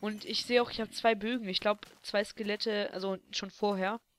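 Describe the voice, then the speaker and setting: A woman keeps fairly even intonation and a medium pitch while talking at a moderate pace. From Germany. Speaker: gaming YouTuber. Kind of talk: casual let's play commentary. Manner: halting, many fillers.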